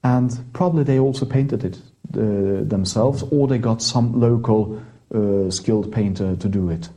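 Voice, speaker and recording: Man, Norwegian accent, priest, warm mellow tone, chatty with restarts. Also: lowish voice. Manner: chatty, halting restarts, light laughter. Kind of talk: interview guest explaining history.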